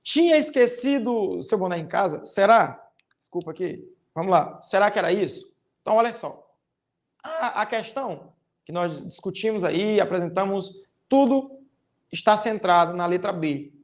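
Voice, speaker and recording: This is a teacher with a Brazilian accent, talking a class of children through a recorded lesson. The explanations go one careful step at a time, with a tag question closing many phrases. Sample sentences get read aloud with strongly exaggerated rises and falls in pitch. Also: expressive, moderate pace. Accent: Brazilian Portuguese. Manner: reads quoted lines with exaggerated intonation. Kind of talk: recorded online class for fifth graders.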